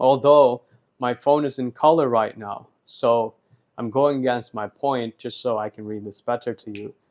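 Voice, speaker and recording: This man has a non-native accent and a medium pitch, speaking at a moderate pace. His intonation is fairly even, and the sound is dry and close with no echo. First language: not English. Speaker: podcast host, self-help coach. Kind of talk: solo podcast monologue. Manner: casual, conversational.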